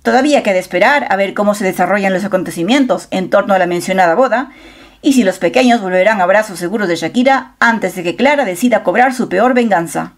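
A woman's voice: medium pitch, fast. A woman reading a scripted celebrity gossip news voice-over in a dramatic, storytelling manner on a close mic. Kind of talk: scripted narration.

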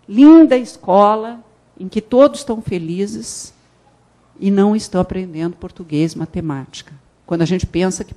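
Animated woman speaking on a conference panel. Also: medium pitch. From Brazil. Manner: animated, gestures while speaking, many restarts and emphatic rises. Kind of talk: academic conference talk. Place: conference hall with a panel table. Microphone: handheld mic.

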